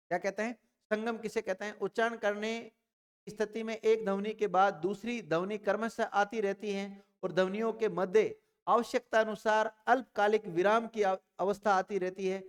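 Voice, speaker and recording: This male teacher, whose voice sits high with a clean tone and a long reverb tail, is giving a grammar lesson. He talks directly to his students, repeating questions and then answering them himself.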